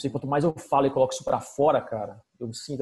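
Speaking very fast, a man with a fairly high pitch sounds somewhat breathy. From Brazil, interior of Goiás. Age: 30s. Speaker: marketing and sales professional. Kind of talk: casual interview chat.

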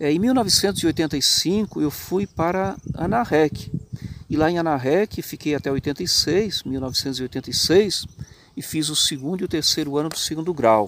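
With lively intonation and a fairly high pitch, a man speaks at a very slow pace. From Brazil, rural Santa Catarina. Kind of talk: interview. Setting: priests' retreat.

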